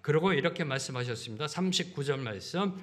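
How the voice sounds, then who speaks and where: A middle-aged male pastor preaching a sermon in a church, full of rhetorical questions and repeated phrases, swinging between loud emphasis and quiet asides. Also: a little high, expressive, fast talker. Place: church sanctuary.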